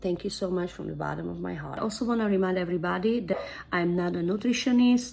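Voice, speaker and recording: With a Slovak accent, a woman speaks at a fairly low pitch. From Slovakia. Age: 40s. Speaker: fitness vlogger. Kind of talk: casual vlog. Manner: hesitant, many fillers.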